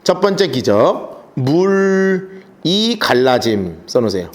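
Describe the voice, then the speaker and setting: A male pastor teaching the Bible in a lively storytelling sermon, telling listeners what to write down. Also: a little high, slow pace. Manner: lively storytelling, gives note-taking instructions.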